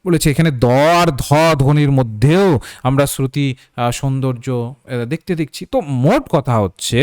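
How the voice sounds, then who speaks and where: A man's voice: medium pitch, lively intonation, moderate pace, a little mellow, smooth, no room sound, studio quality. A male teacher giving a live online lecture, explaining step by step, repeating key points and checking understanding with questions.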